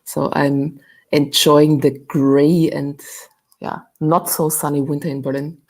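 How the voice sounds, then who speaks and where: Woman in her thirties, low husky voice, chatty guest. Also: takes it slowly. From Austria. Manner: relaxed and chatty, many fillers and repeats. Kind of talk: casual interview chat. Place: at home.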